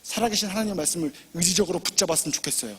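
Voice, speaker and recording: A man preaching a sermon as pastor, impassioned and personal, swinging from loud pleading to hushed near-whispers. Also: high voice, very fast, husky, in a large hall. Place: church sanctuary.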